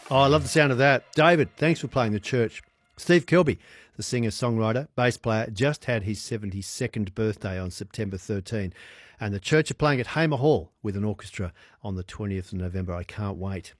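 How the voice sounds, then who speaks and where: A man's voice: fairly low pitch, a little fast, dry recording. Older Australian male talkback host, upbeat and talkative, dry close mic. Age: 60s. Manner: chatty, enthusiastic, wordplay. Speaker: radio host. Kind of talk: evening talkback radio.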